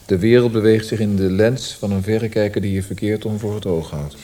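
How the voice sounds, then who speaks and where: A man acts out a tormented poet in a radio drama. His voice is low and notably mellow. He speaks in a reflective, literary manner, as if searching for the meaning of each word. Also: fairly even intonation, brisk, natural voice. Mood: concerned, hesitant. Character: brooding male Austrian poet tormented by language. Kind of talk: Dutch radio drama acting.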